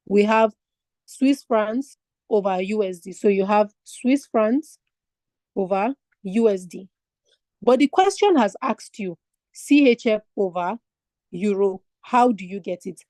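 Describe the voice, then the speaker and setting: A Nigerian woman gives an online finance exam lesson, walking through the material step by step and putting rhetorical questions to her class. Her voice is mid-range and mellow, recorded dry with clean studio sound.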